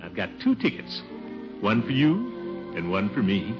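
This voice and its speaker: A man's voice: fairly low pitch, huge pitch swings, a little slow, over music. An actor playing a pompous middle-aged bachelor courting his sweetheart in a 1950s radio sitcom, dull old broadcast sound. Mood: coaxing. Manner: coaxing, blustery. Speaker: title character.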